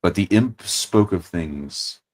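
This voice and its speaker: A solemn fantasy adventurer acted by a man speaks in an extremely deep voice. He is courtly and formal, picking his words slowly and haltingly, in a tabletop game. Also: a little mellow. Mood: solemn, reporting. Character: formal, solemn adventurer of noble manners reporting to a baroness.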